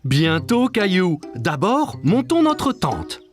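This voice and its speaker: A man voicing a kind, patient father in a French cartoon dub, calm and reassuring. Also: sits high, slow pace, soft background music, full character voice.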